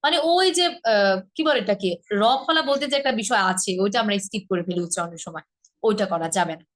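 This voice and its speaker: A woman teaching a pronunciation lesson from her home, patiently repeating each word slowly to demonstrate. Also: medium pitch. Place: rented home in a city.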